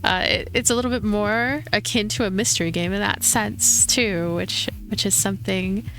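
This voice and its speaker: A woman's voice: medium pitch, steady tone, normal speed, fairly bright tone, poor audio. A woman hosting a let's play, commenting casually and tentatively as she thinks aloud. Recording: faint game music behind.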